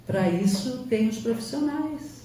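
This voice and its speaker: A woman's voice: fairly high pitch, animated, unhurried, dark tone, a little hiss or hum. A woman giving an emphatic spiritual lecture, sometimes acting out quoted voices. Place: lecture hall. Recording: roomy hall from far off, faint ambience.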